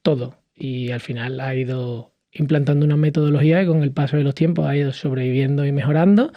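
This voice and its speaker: A man from Cádiz in his thirties, speaking as a podcast guest in a lively conversational way, with frequent fillers and restarts. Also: medium pitch, fast, dry recording, dull audio. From southern Spain, Cádiz. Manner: animated storytelling with many fillers and restarts. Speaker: podcast guest, hospitality entrepreneur. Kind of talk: conversational interview.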